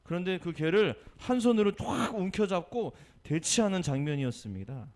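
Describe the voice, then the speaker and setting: Man, pastor, sunday sermon, animated storytelling, fairly high voice, very expressive pitch. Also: normal speed. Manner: animated storytelling, acting out quotes; asks the congregation questions.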